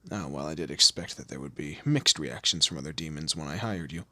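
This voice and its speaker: Man acting as demon lord, audio roleplay, forceful edge, gravelly fry, commanding, theatrical, teasing menace, very dry close sound. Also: fast talker, no echo, heavily acted. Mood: probing, menacing. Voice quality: low, gravelly, husky. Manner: imperious, theatrical, drawling threats and teasing. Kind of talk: scripted audio roleplay addressed to the listener.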